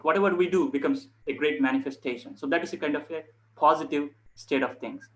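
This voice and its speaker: A man giving an informal instructional talk as a yoga instructor, speaking earnestly in short, halting phrases to online viewers. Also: on the high side, rough recording.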